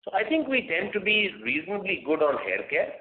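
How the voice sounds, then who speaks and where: A man's voice: high-pitched, sing-song, fairly quick, phone-quality sound. A man, a company executive answering investor questions off the cuff, often checking understanding with small tags like "right" and "okay". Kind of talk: unscripted earnings call answers. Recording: echoey, thin phone conference line.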